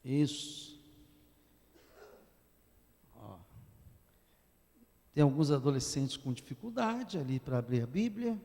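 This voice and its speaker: A man's voice: mid-range voice, very animated, slow pace, pauses often, warm tone. A man preaching a sermon as pastor, joking with the congregation and leading call-and-response. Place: church hall. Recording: long church-hall reverb.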